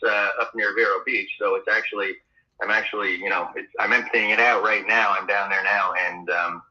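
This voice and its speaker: A man's voice: fairly low pitch, fairly even intonation, fairly quick, bright, forceful tone. A man selling his house talks on a phone call, hesitant and full of fillers and restarts. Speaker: home seller on a call. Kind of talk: phone conversation. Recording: tinny phone line.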